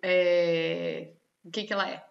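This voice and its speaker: Her lowish voice comes slowly, with vocal fry, over a lo-fi recording. The Brazilian Portuguese-accented teacher explains a lesson online with liveliness, regularly checking in on the students with questions.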